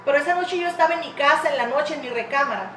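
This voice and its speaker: High-voiced woman pastor preaching. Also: quick pace, sharp tone, roomy sound, a little hiss or hum, low-quality recording. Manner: impassioned preaching, acting out tearful prayers. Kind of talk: sermon.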